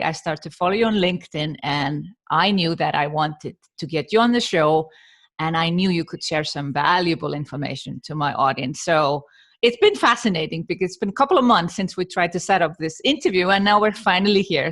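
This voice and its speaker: A woman's voice: fairly low pitch, moderate pace, fairly bright tone. A middle-aged woman from Iceland hosting a podcast interview in a friendly, conversational way. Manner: friendly, conversational, laughs easily. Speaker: podcast host. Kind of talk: casual interview chat.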